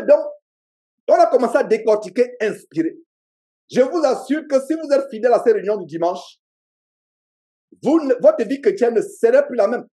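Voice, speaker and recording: A man's voice: very high-pitched, mellow. A pastor with a Cameroonian French accent preaching a sermon to a congregation, emphatic and repeating his key phrases, with call-and-response. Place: church meeting.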